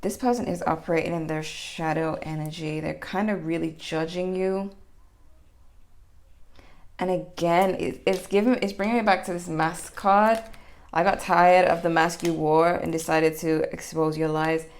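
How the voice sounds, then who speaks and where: A woman's voice: fairly low pitch, fairly even intonation, normal speed. A woman giving a casual, rambling general tarot reading to her viewers, full of fillers and restarts. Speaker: tarot reader.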